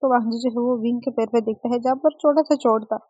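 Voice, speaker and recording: A woman's voice: on the high side, fairly even intonation, fast talker, dark tone, no room sound, highs cut off. A woman narrating her own fan fiction in a casual storytelling way, linking each line of dialogue. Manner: plain, connecting lines with repeated "so he says".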